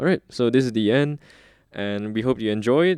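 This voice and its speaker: A man speaks at a moderate pace in a plain, everyday voice at medium pitch. His intonation is lively. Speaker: podcast host. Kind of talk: casual chat.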